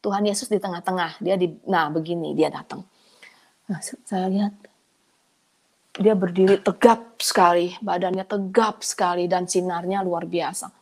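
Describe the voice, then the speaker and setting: A woman sharing a personal testimony in a casual, colloquial way, her voice leaping up when she gets excited. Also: normal speed. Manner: animated, pitch leaping up in excited moments; colloquial, chatty delivery addressing listeners as friends. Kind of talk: conversational testimony storytelling.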